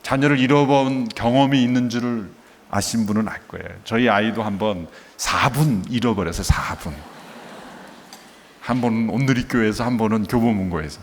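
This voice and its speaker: A man's voice: on the low side, moderate pace, a little hiss or hum. A middle-aged male pastor preaching a sermon with rhetorical questions and acted-out dialogue. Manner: emotive preaching, asks rhetorical questions, acts out quoted dialogue. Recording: long hall reverb.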